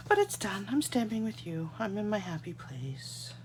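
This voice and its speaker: With a mid-range, sing-song voice that runs a little slow, a congested Canadian woman coming down with a cold talks to viewers as she works on cards in a casual live craft tutorial. An overhead desk camera shows only her hands, and background noise is audible.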